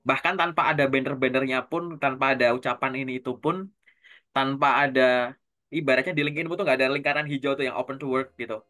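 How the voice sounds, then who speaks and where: Bright-voiced man coaching job seekers. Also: medium pitch, steady tone, fast talker. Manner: explains with everyday examples, asks questions to check understanding; keeps tagging sentences with a casual filler. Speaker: career coach. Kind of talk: conversational coaching talk.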